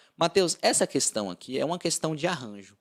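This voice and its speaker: A man speaks in an animated tone with very wide pitch swings. The sound is dry and close, with no echo. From Bahia, Brazil (Vitória da Conquista). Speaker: math teacher for exam prep. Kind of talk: live online class. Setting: live stream with chat.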